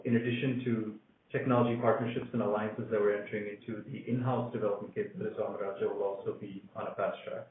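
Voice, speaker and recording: A man giving a business update as a company executive on a conference call. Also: fairly low pitch. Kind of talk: business presentation on an earnings call. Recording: echoey, noisy, phone-like conference line.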